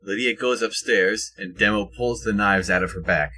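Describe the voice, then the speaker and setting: A man's voice: lowish voice, normal speed, bright, forceful tone. A man reading scripted present-tense action narration for an audio drama.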